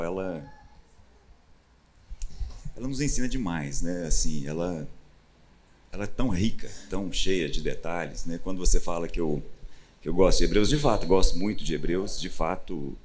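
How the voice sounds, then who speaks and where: A Brazilian man with a lowish voice, a pastor explaining scripture in easy conversation. He tells the story with animated bursts, acting out the quotes. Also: normal speed, long pauses, slight background noise. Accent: Brazilian Portuguese. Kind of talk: conversational Bible teaching.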